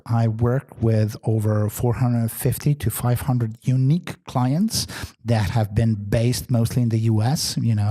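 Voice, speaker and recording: A man with a Serbian accent, not a native English speaker, hosts his own podcast and talks in a casual, rambling way. His voice is mellow and darker than most, at a middle pitch. He restarts his sentences and fills the gaps as he goes. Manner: chatty, loose, many fillers and restarts. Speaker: podcast host. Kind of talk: casual solo podcast talk.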